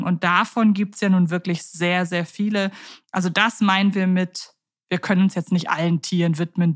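A woman co-hosting a podcast, chatting casually and thinking aloud with fillers. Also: lowish voice. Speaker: podcast co-host.

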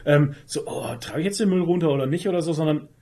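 Higher-voiced, quick man. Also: darkish tone, slight background noise. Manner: colloquial, with tag questions and English slang. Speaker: podcast host. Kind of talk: casual podcast chat.

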